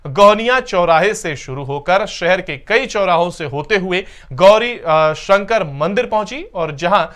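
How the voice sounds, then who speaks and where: A man's voice: sits high, expressive, measured pace, a bit bright. A man reading scripted television news as an anchor, in a formal announcer delivery with emphatic stresses.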